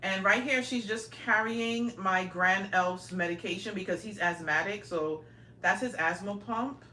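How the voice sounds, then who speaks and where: A Brooklyn-raised woman in her forties hosts a casual livestream tour, chatting and speaking straight to her audience. Her middle-pitched voice has a sharp tone and an unhurried pace, echoing openly in the small home rooms. Her handheld phone picks up a faint hiss.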